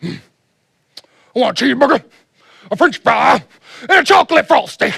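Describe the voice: A gruff, high-pitched put-on character voice. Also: moderate pace.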